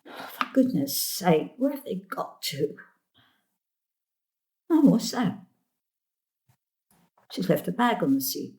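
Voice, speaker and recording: A woman's voice: fairly low pitch, sing-song, slow, vocal fry, long pauses, warm tone, full character voice. An actress playing a querulous, mischievous old grandmother, grumbling and theatrical, in an audio drama. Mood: muttering, curious.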